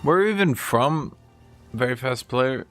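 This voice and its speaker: A man's voice: medium pitch, expressive, normal speed, a bit bright, faint music behind. A man streaming a game, chatting casually and rambling to his viewers. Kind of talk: casual chat while gaming.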